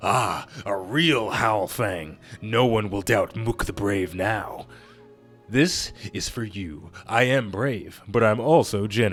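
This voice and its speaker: Over faint background music, a man in a put-on character voice talks at a fairly slow pace and medium pitch. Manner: silly, grandiose.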